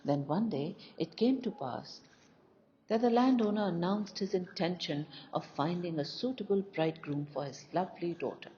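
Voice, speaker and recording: A woman narrating a scripted folk tale as an audio story, with deliberate, expressive delivery. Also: lowish voice. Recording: dull lo-fi recording with faint noise.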